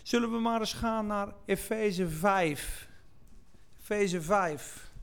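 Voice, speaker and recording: A man preaching a sermon, slow and emphatic, at times crying out or singing lines. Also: high voice, smooth. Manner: slow, emphatic delivery, swelling to shouts and sung lines.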